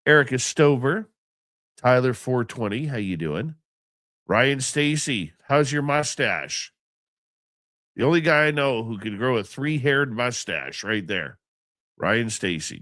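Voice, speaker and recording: A man with a stuffy, congested nose hosts a live radio stream early in the morning, sounding sleepy and loose. His pitch swings widely as he rambles and greets viewers by name. The sound is dry and close, with no room echo. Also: animated, measured pace, fairly bright tone. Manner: rambling, chatty, affectionate with viewers. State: sleepy, just woken up. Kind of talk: casual live show chat, reading out chat names.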